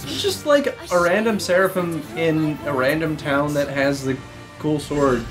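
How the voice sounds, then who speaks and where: A man's voice: on the high side, measured pace. A man giving casual, wry and joking commentary over a video game. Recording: game music behind the talk.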